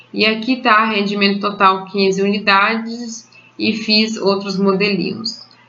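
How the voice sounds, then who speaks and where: A woman's medium-pitched, monotone voice at a fairly slow pace, with audible room echo and noticeable background noise. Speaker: baking channel host. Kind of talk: recipe tutorial voiceover. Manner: casual.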